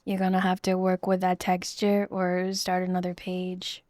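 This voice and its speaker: A woman in her thirties, chatting casually in a soft, rambling way while she draws on stream. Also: on the low side, monotone, moderate pace, dry recording, studio quality. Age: 30s. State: losing her voice. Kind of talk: casual chat while drawing.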